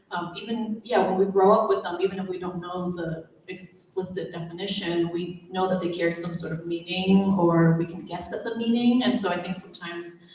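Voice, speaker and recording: A woman poet whose first language is Vietnamese, thinking aloud on a panel with many pauses and ums. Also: fairly low pitch, warm tone. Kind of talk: live panel discussion. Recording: echoey hall, mic from far off.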